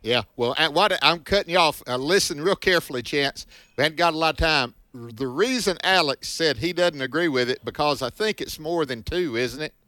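A man's voice: a little high, fairly quick, few pauses, bright, forceful tone, no room sound. A man co-hosting an evangelical call-in show, talking in an exhorting way. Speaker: radio call-in co-host.

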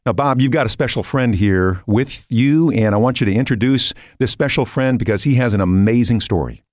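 A man hosting a Christian broadcast, pitching a ministry in an upbeat way. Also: fairly quick, darkish tone, dry recording, studio quality. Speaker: broadcast host. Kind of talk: promotional host talk.

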